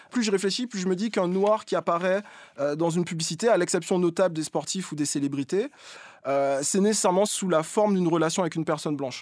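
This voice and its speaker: This man speaks very fast in a high pitch with ordinary pitch variation. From Martinique. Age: 30s. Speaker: podcast co-host. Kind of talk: casual chat.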